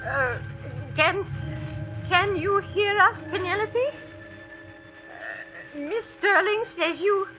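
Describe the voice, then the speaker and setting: A woman's voice: very high voice, lively intonation, extremely slow, long pauses, over music, exaggerated voice. An actress playing an elderly, timid female school owner in a 1940s radio drama, hesitant and flustered. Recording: dull old radio broadcast.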